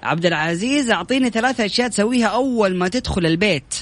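A man's voice: high voice, animated, very fast, a bit bright. A man co-hosting a morning radio show, teasing his guests and laughing often. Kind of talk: playful radio banter.

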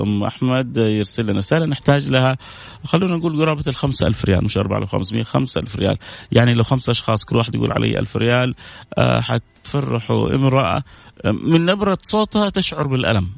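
Speaking into a studio mic with no room sound, a man hosts a charity call-in broadcast. His lowish, gravelly voice carries sincere pleas and repeated blessings.

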